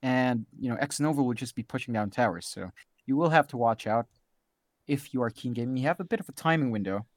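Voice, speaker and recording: A man from Southeast Asia with a Southeast Asian English accent, giving relaxed, analytical esports color commentary. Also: medium pitch, fast, dry recording. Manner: relaxed, easily amused, thinking aloud. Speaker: esports co-caster.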